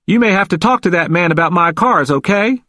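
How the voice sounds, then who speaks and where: Man voicing a confused old man, high-pitched and emphatic. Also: lively intonation, a little fast, sharp tone, dry recording, studio quality, exaggerated voice. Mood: excited, defiant. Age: older. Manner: emphatic, repetitive, folksy nonstandard grammar. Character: confused, frightened elderly man pleading in hospital.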